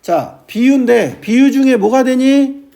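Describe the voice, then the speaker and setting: A male teacher giving a classroom lecture on classical poetry, often checking with his students and reciting verse slowly. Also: extremely high pitch, expressive, gravelly, warm tone. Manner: keeps starting with "ja", asks students quick checking questions.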